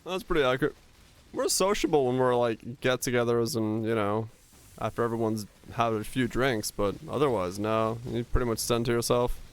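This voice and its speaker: A man's voice: mid-range voice, normal speed, smooth. A Finnish-born man whose first language is Finnish, a streamer chatting casually with his viewers as he plays and answering their questions. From Finland. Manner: relaxed, answers chat questions, laughs easily. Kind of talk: casual chat with viewers while gaming.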